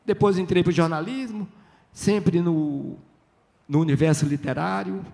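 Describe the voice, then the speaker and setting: Gravelly high-voiced older man. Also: measured pace. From Minas Gerais, Brazil. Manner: lively, chatty, tag questions, acts out dialogue. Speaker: writer, panel guest. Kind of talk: storytelling on a literary festival panel.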